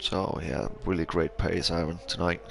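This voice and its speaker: A man's voice: low voice, steady tone, moderate pace, gravelly. A young man with a Belgian accent commentating an online sim race, hesitant with many fillers and restarts. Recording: game engine noise and loud music behind. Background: engine noise and music.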